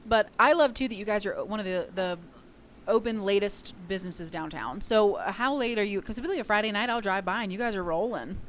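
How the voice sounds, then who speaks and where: A woman's voice: medium pitch, fairly quick, a little hiss or hum. A woman who works as a town community development director, chatting in a cheerful, playful way. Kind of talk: casual chat.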